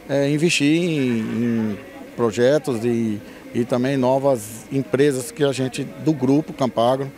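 Mellow middle-aged Brazilian man. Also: mid-range voice. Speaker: company representative interviewee. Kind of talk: TV interview answer. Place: outdoors at a farm fair. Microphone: handheld reporter microphone.

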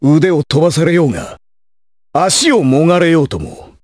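A man playing a ruthless, proud gangster assassin in an anime video game, husky, with theatrical, menacing, rough tough-guy speech. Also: a little high, big pitch swings, moderate pace, darkish tone, no echo, studio quality. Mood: cold, menacing.

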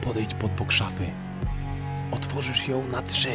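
An actor playing a protective, pragmatic young survivor in a horror audio drama, speaking practically and in control. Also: male voice, mid-range voice, fairly even intonation, measured pace, close to an everyday voice. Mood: cautious, tense. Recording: music under the voice.

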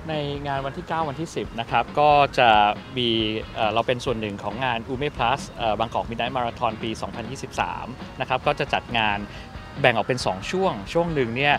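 A middle-aged man speaking as a company representative in an outdoor press interview, measured and full of hesitant fillers. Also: medium pitch, music in the background. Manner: measured, many fillers and polite particles. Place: outdoor park at an event. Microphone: press microphones held close.

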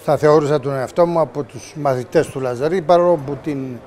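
A man, a cardiac surgeon, giving an interview in a measured, unhurried way. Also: on the high side, a little mellow. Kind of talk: interview recollection.

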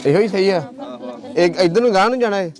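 A man's voice: high voice, fast talker. A man with a Majhi Punjabi accent chatting casually and teasingly, full of folksy exclamations and blessings. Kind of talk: casual teasing chat during a wedding bangle ritual. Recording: noisy crowd and birds behind.

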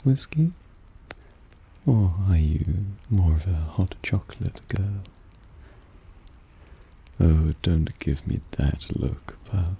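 This heavily acted ASMR roleplay, spoken to the listener over rain ambience, features a man as a suave, possessive vampire teasing and doting on his pet with a condescending purr. His deep, mellow, slightly rough voice is slow and creaky, with lively intonation and long pauses. He comes across as doting and amused.

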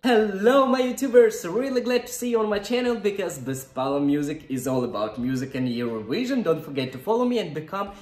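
A man's voice: high voice, animated, fairly quick, hardly any pauses, a little mellow. Young man, gushing reaction host, roomy echo, faint music behind. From Ukraine. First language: Russian and Ukrainian. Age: 20s. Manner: effusive, exclaims often, simple non-native English. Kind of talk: casual reaction vlog. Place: indoor room, seated before an ornate armchair. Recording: echoey room with faint music.

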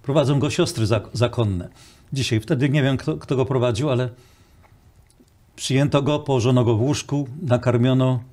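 A man's voice: mid-range voice, normal speed, darkish tone. An older man, a talk show guest, tells a long story with many repeated words and acted-out quotes. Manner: rambling, repeats words, acts out quoted voices.

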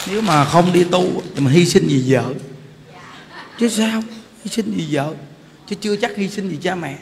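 A Buddhist monk, telling stories in a casual, animated sermon that speaks straight to his listeners. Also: high voice, normal speed, gravelly. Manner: animated, laughing, addresses listeners directly. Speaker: Buddhist monk giving a dharma talk. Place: temple hall. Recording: reverberant hall, faint background noise.

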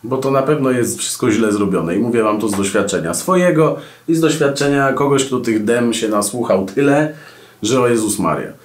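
A man hosting a podcast, giving casual radio advice with animated, ironic storytelling and asides. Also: mid-range voice, normal speed, roomy sound. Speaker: podcast host and radio presenter. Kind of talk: casual advice talk to camera.

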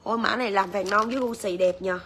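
A woman's voice: mid-range voice, fast, fairly bright tone, a little hiss or hum. A woman, chatting straight to viewers as she sells jewelry on a livestream. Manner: chatty, addresses viewers directly. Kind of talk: live-selling chat.

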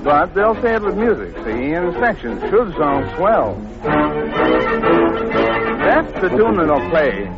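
A man's voice: on the high side, sing-song, slow, pauses often. A man doing 1930s radio variety show patter and song, welcoming the star. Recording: dull old 1930s radio recording. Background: loud band music.

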